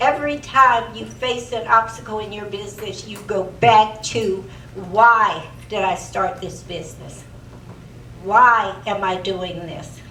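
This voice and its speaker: A woman speaks at a fairly slow pace with a fairly high pitch and ordinary pitch variation. Noticeable background noise and audible room echo are present. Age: 60s. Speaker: conference speaker and author. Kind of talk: motivational talk.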